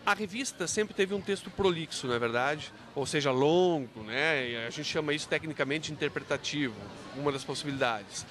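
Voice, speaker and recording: A man's voice: fairly high pitch, fairly quick, hardly any pauses, a bit bright. A man explaining things in a spontaneous interview, didactic, posing rhetorical questions as he goes. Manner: didactic, with rhetorical questions and frequent self-checks. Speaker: university professor interviewed about his book.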